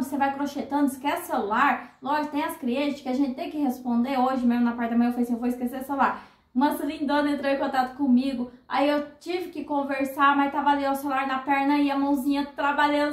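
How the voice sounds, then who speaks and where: Woman, Brazilian Portuguese accent, thirties, high voice, chatty and emotional, crochet vlog host, echoey room. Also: flat delivery, fast. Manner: chatty, emotional, addresses viewers as girls. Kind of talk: casual storytelling to viewers.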